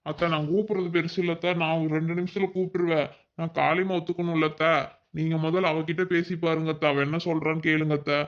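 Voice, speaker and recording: A man's voice: on the high side, level tone, fast talker, dull audio, natural voice. A man voicing a middle-aged village father in a cartoon, with a Kongu Tamil accent, patient and persuasive. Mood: persuading.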